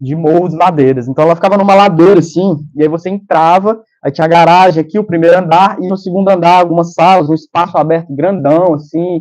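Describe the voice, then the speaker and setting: A man speaks with a Minas Gerais accent at a fairly quick pace. His voice is high in pitch with ordinary pitch variation. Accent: mineiro Brazilian Portuguese. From Minas Gerais, Brazil (Belo Horizonte, east zone). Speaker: graduating sociology student. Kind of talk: academic presentation. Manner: casual, chatty.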